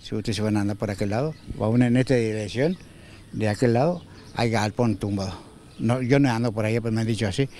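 Talking at a very fast pace, a man with a medium pitch and a dark, mellow tone shows ordinary pitch variation in a dry recording with no echo and light background noise. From Argentina, Córdoba province. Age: 60s. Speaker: local resident. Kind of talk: street interview. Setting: outdoors. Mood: animated, recounting storm damage. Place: open country. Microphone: handheld.

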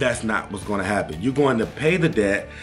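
A man speaking over faint music in the background. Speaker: credit repair coach. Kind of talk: casual vlog advice. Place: home room.

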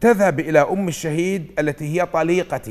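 Speaking with an Iraqi accent, a man uses a high pitch and ordinary pitch variation. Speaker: Islamic scholar answering viewer questions; TV presenter. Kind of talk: religious Q&A program. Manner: halting, with fillers and restarts. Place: studio. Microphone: lapel.

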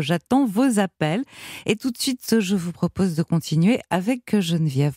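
Over a quiet background, a woman talks at a fairly slow pace in a dark, mellow tone with very wide pitch swings, the sound dry with no echo. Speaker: radio host. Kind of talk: late-night call-in show. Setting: studio. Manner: warm. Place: studio.

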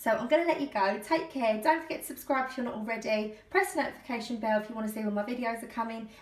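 Putting on a raspy character voice at a fairly high pitch, a woman speaks very fast with an audible echo. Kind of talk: casual vlog sign-off. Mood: cheerful, friendly sign-off.

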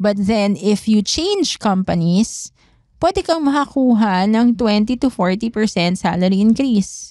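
Dark and mellow in tone, the voice moves very slowly with lively intonation and very even loudness, in a dry sound with no echo over a quiet background. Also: woman, fairly high pitch for a woman. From Philippines. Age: 40s. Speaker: career coach. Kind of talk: casual chat. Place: studio. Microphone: studio mic.

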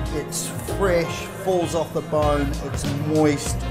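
A man speaks over loud music in the background. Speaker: chef food host. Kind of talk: food review commentary. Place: bar.

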